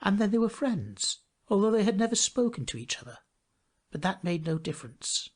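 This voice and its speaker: Male fairy-tale narrator: expressive, measured scripted read, very varied intonation, slightly breathy-husky tone. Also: high-pitched. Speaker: storyteller.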